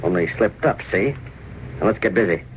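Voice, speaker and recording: An actor playing a ruthless racketeer boss in a 1930s radio drama, with a gruff, clipped gangster manner. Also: male voice, lowish voice, fairly quick, dull audio, lightly acted. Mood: commanding. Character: ruthless male racketeer boss giving orders. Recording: hissy 1930s radio recording.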